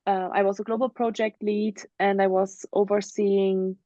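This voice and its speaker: A woman's voice: mid-range voice, little pitch movement, normal speed, mellow, no room sound. German-accented woman in her thirties, interview guest, earnest and open, muffled dry video-call sound. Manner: open, earnest, frequent ums. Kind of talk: casual interview, personal story. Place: home in the mountains.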